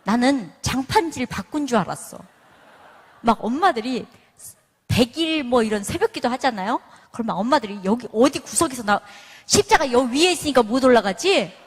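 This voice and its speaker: A woman's voice: a little high, slightly rough. A middle-aged woman giving a church testimony, telling stories with humor and acting out other mothers' voices. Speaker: testimony speaker. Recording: echoey church hall.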